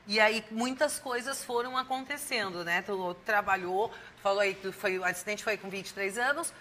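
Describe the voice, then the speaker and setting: A woman in her thirties with a southern Brazilian accent hosts a TV interview. Her voice is bright and crisp-edged at an average pitch. She talks conversationally, with a little noise behind her. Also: normal speed. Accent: southern Brazilian, Santa Catarina. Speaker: TV host, interviewer. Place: TV studio, indoors.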